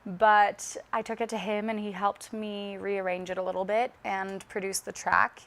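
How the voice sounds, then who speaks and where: A young woman singer talks through an interview in an easy, chatty way. She takes her time and enunciates carefully, with a gravelly fry running through her mid-pitched voice. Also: little pitch movement, a bit bright. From Las Vegas. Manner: slow, carefully enunciated speech. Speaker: singer guest. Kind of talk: casual interview chat.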